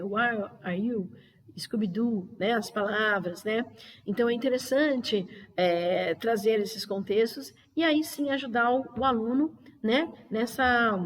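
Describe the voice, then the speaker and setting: A middle-aged woman gives an online training talk to teachers, chatty and loose, with many filler tags and restarts. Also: mid-range voice.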